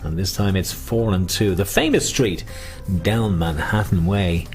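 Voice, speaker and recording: A man hosting an online game as a bingo caller, with chatty, jokey patter and drawn-out number calls using traditional nicknames. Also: deep voice, soft background music.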